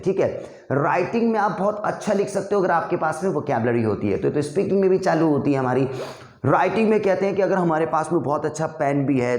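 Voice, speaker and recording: Guy teaching spoken english, kinda high voice, talks to viewers like friends, roomy echo. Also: darkish tone. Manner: drills practice sentences slowly and repeatedly; chatty, addresses viewers as brother and friend. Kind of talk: casual spoken-English lesson in Hindi.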